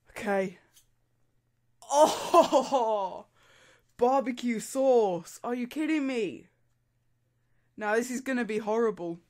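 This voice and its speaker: A teenage boy with a cold-stuffed voice, chatting casually in his bedroom as he does viewer dares. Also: high-pitched. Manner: chatty, animated, laughs and groans at dares. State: congested from a cold. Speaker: YouTuber. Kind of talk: casual vlog. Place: small bedroom. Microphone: studio mic on arm near camera.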